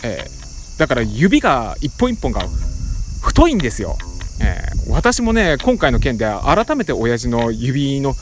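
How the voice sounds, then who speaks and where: A middle-aged man casually telling a story as a podcast host, animated, with playful sound effects and rough casual phrasing. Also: mid-range voice, a little slow, background noise.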